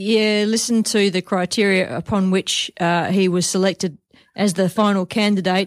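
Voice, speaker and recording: On a very clean recording with a silent background, the voice moves at a fairly slow pace with very even loudness and fairly even intonation. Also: woman. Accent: Australian. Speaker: radio host. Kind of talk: sports radio chat. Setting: radio studio.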